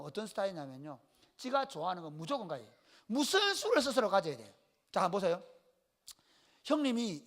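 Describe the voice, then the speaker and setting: This Gyeongsang-accented pastor preaches in a folksy, colloquial way, trading jokes with his flock and addressing people by name as he tells lively stories. For a man, he pitches his voice high, with big swings up and down and a bright, piercing quality.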